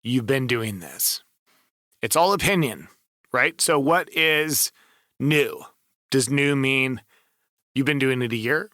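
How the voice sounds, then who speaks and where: A man's voice: medium pitch, expressive, slow, long pauses, bright, forceful tone, no room sound, clean studio sound. A man giving enthusiastic, emphatic advice as a voice-over coach in a casual screen-share review.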